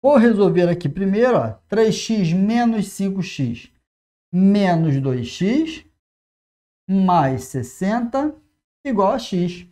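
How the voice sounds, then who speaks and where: A man in his forties with a Brazilian Portuguese accent, teaching math at a whiteboard. He talks energetically to the viewer and slows down to spell out each step as he writes. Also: high-pitched, very animated, warm tone. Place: classroom in front of a whiteboard. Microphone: lapel mic.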